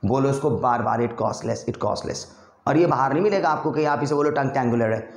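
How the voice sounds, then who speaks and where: A man's voice: medium pitch, fast talker. A man teaching spoken English in casual Hindi, repeating drill phrases again and again and calling his viewers brother. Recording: echoey room.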